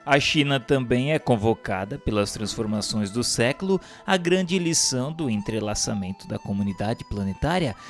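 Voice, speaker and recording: Male narrator, Brazilian, mid-range voice. Measured, declamatory delivery of formal spiritual text over a light instrumental bed. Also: medium pitch. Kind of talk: solemn scripted spiritual audiobook narration. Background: instrumental music.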